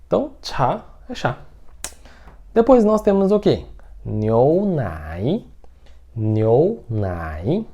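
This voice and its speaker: A man's voice: high-pitched, huge pitch swings, takes it slowly, long pauses, warm tone, highs cut off. A man teaching an online language lesson, patiently repeating each word and often checking that the listener is following.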